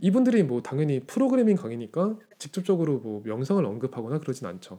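A man with a fairly high pitch and a dark, mellow tone swings his pitch very widely. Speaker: podcast host. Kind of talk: casual discussion podcast.

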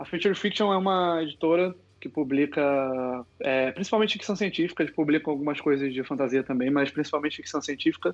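A man's fairly high-pitched voice at a fairly quick pace, ordinary pitch variation and hardly any pauses, over a quiet background. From Rio de Janeiro, Brazil. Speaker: fiction writer. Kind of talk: interview. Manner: halting, many fillers.

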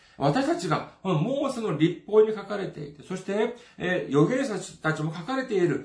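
There is noticeable background noise. A man speaks high in pitch with lively intonation. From South Korea, Seoul. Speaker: pastor. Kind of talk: sermon. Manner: formal.

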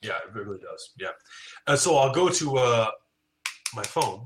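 A man with an American accent talks in a bright, sharp tone. His pitch is medium and his pace moderate. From US Pacific Northwest, Oregon coast. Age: 30s. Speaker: church music minister. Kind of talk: casual chat. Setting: video call.

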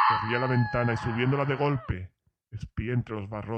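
Pitch variation is ordinary in an unforced reading voice. Nothing much stirs in the quiet background.

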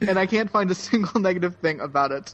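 Noticeable background noise sits under the speech. The pace is very fast. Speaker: podcast co-host. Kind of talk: casual comedic podcast banter.

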